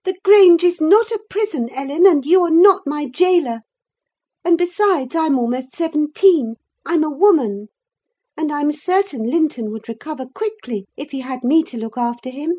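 A woman's voice: sits high, animated, moderate pace, dark tone, voice pushed up. A woman voicing a headstrong, coaxing teenage girl in an audiobook reading, speaking eagerly and emphatically.

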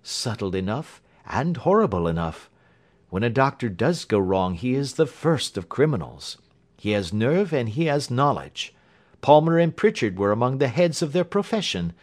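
A man voicing a sharp-minded male detective, speaking in a crisp, explanatory manner. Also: mid-range voice, sing-song, normal speed, voice pushed up. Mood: intense. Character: Holmes, sharp reasoning male detective, adult.

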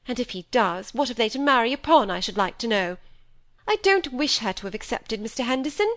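A woman's voice: fairly high pitch, big pitch swings, fairly quick, a bit bright, pitched above the performer's own voice. A woman putting on a fussy, fretful stepmother. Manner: fussy, gushing, complaining. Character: fretful, self-pitying middle-aged stepmother.

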